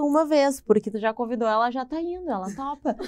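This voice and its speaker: In a quiet background, a woman speaks at a fairly quick pace in a high pitch with ordinary pitch variation. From southern Brazil, Rio Grande do Sul. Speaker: guest panelist; guest. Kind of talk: casual chat. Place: studio. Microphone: lapel.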